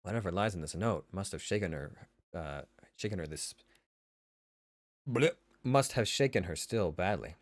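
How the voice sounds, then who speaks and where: A man's voice: low-pitched, expressive, normal speed, pauses often. A man narrating a visual novel aloud in an informal way, correcting himself as he reads.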